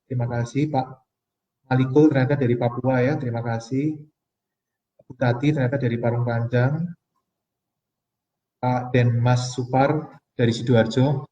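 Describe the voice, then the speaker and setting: A man's voice: medium pitch, dark tone. A man in his forties giving a motivational live online seminar on money, speaking to viewers as friends and reading out their comments. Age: 40s. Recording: roomy, distant, dull-sounding audio.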